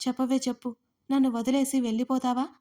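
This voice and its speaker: A woman's voice: high-pitched, flat delivery, brisk, mellow, lightly acted. A woman voicing a remorseful young husband who pleads emotionally with his wife. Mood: pleading.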